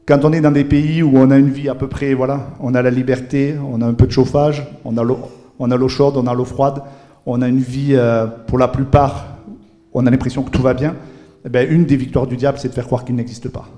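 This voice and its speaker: A man's voice: medium pitch, flat delivery, brisk, warm tone. A man from preaching a sermon in a church, earnest, with restarts and words repeated for weight. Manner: earnest, repetitive emphasis, many restarts.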